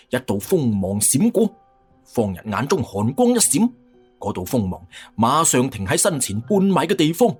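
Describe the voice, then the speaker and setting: Man, Cantonese accent, fantasy audiobook narration, dramatic delivery, slightly rough voice, animated intonation, faint music behind. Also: medium pitch.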